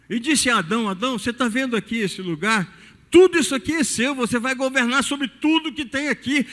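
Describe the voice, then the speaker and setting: A high-pitched man preaches a sermon, his voice rising and falling in wide swings as he asks the congregation rhetorical questions. His voice rings out through the long reverb of a large cathedral hall. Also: a bit bright. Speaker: pastor. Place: cathedral during evening service.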